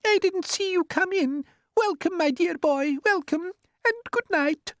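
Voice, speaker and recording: A woman's voice: very high-pitched, unhurried, no room sound, clean studio sound, voice pushed up. A woman voicing a prim female glowworm in a storybook, cool and mannered. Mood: sweet. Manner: cold, then sweetly polite. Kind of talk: storybook reading.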